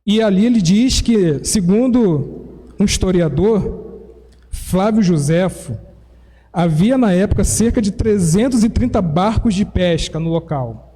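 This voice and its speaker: A man's voice: sits high, lively intonation, a little slow, dark tone. A man from Brazil, preaching a sermon and explaining things step by step in a teacherly way. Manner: explanatory, teacherly, with self-corrections. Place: church. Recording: long reverb of a church hall.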